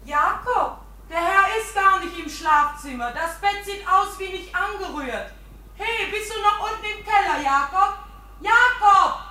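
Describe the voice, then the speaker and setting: High-voiced young housemaid, echoey room. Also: female voice, expressive, measured pace, sharp tone, exaggerated voice. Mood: uneasy. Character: anxious young housemaid in a village inn. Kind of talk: German radio play acting.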